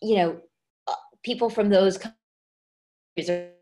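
A woman's voice: medium pitch, takes it slowly, dark tone. A woman dialect coach and actress, talking casually in an interview with many restarts and fillers.

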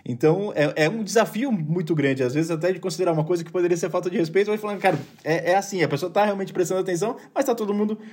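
A man's voice: high-pitched, rapid-fire, few pauses, a little mellow, breathy edge. A man co-hosting a panel in a chatty, informal way. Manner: chatty, informal, says "cara" often. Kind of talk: casual panel chat.

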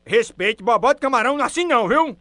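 A very high, fast-talking man runs a radio prank call. He needles his target over and over in a teasing tone, his bright voice close and dry on the studio mic. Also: expressive. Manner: teasing, needling, repeats the same phrase.

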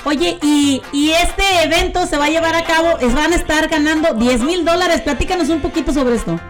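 A woman's voice: high voice, fairly quick, soft background music. A woman hosting a radio show, interviewing a guest in a friendly, encouraging way. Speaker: radio host.

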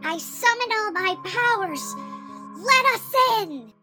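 A woman's voice: high-pitched, lively intonation, takes it slowly, music in the background. A woman voicing a spooky, pushy black-eyed kid. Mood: pleading. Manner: insistent, repeats words with partner.

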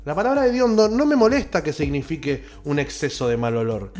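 A man's voice: a little high, a little fast, soft background music. Joking Argentine radio host, a man. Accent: Argentine Spanish. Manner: jokey, crude, animated. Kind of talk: casual radio banter.

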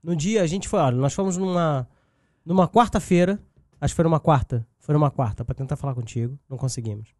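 A man with a Brazilian Portuguese accent co-hosting a casual chat show, animated and joking, breaking into loud shouted greetings. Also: fairly high pitch, quick pace, no room sound, clean studio sound. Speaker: podcast co-host.

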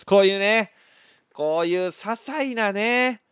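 Speaking very slowly in a high, smooth voice, a young podcast host reads out listener messages and spins lively stories punctuated by sound effects. His casual chat is full of laughter, captured in a dry, clean studio recording.

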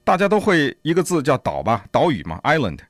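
Quick, lively Chinese radio co-host man. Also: fairly high pitch, no room sound, studio quality. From China. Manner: explains with many examples, chuckles at language traps. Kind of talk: casual radio discussion.

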